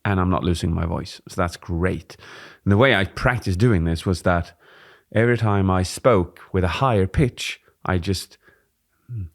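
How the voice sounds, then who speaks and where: A deep-voiced man with a gravelly edge talks through a presentation tip for a podcast. He explains things steadily and unhurriedly, stretching some words. He speaks into a studio microphone in a dim room. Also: normal speed. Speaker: podcast co-host, presentation coach. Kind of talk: casual podcast chat. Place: dim studio with warm lamps. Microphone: studio mic on boom arm.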